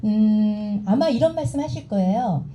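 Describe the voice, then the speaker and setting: A middle-aged woman giving a motivational seminar talk, animated and acting out the dialogue she recounts to the audience. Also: medium pitch, moderate pace, highs cut off. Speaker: seminar speaker.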